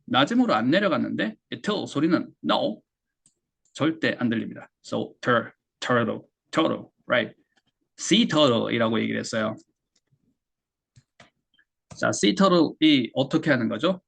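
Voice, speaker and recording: Korean guy teaching english sounds, gravelly husky voice, keeps asking then answering himself, says the english words over and over. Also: mid-range voice, big pitch swings, takes it slowly, pauses often. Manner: explains step by step, asks and answers his own questions; demonstrates English words by repeating them. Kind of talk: online English pronunciation lesson.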